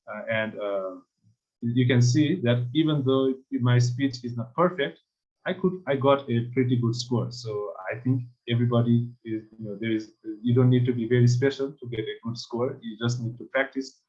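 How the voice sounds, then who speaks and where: A man with an Asian accent talks through his test experience at an easy, measured pace, dropping frequent "you know" fillers. His voice sits at a middle pitch. The audio is slightly dull and lo-fi, like a webinar call. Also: a little mellow. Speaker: test prep instructor. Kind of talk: webinar panel talk.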